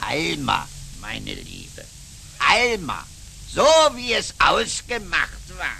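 An actor playing a grumpy, sly male fox in a children's puppet show, gruff and sarcastic, with theatrical groaning. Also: a little high, wildly swooping pitch, slow pace, sharp tone, heavily acted. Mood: bickering.

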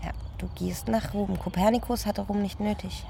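A woman's voice: mid-range voice, steady tone, moderate pace, gravelly, dark tone, slight background noise, close to an everyday voice. An actress playing an observant, teasing young woman in a radio drama. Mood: challenging.

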